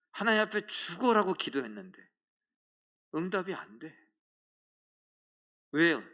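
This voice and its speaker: A middle-aged man preaching a sermon as pastor, lively and animated, acting out the voices of churchgoers in a church sanctuary. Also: fairly high pitch.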